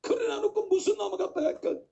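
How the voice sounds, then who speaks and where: A man's voice: extremely high pitch, a little fast, creaky, mellow. A male pastor preaching an impassioned, emphatic sermon from the pulpit, full of rhetorical questions. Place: church pulpit. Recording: dull lo-fi recording.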